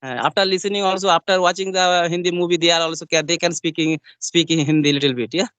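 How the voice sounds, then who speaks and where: An English learner from West Bengal, India, a native Bengali speaker with a Bengali accent, interviews a trainer in a casual practice chat. His mid-range voice is flat, a bit bright and smooth, with no room sound. He fires off quick, repetitive affirmations and leans heavily on fillers.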